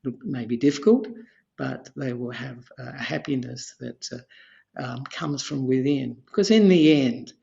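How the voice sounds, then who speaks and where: An Australian Buddhist monk in his seventies, giving an unhurried teaching talk as a podcast guest, rambling and repeating phrases with soft chuckles. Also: mid-range voice, creaky, dull audio. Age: 70s.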